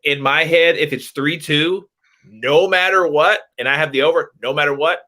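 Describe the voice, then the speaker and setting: Bright, measured man talking bets. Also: a little high. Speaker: podcast co-host, joining remotely. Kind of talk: casual betting talk.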